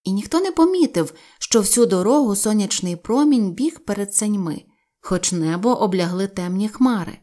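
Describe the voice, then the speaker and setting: A woman narrating a fairy tale aloud in a calm, even reading voice. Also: medium pitch. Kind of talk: storybook narration.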